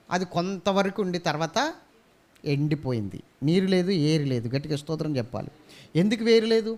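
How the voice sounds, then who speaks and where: A male pastor with an Andhra Telugu accent preaching a sermon, asking rhetorical questions, repeating key phrases and calling the congregation to praise aloud. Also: high-pitched. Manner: swings between loud and quiet passages.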